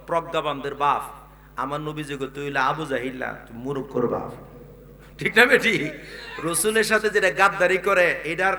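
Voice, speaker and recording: A man preaching a sung waz sermon, chanting his storytelling and calling on the crowd to respond, sometimes bursting into shouts. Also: on the high side. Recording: echoey loud PA from far off.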